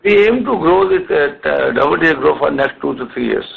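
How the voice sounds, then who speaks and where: A man with an Indian accent answering questions as a company executive on an earnings call, in a halting way with repeated words. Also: on the high side, animated, creaky, husky. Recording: muffled narrow phone conference line.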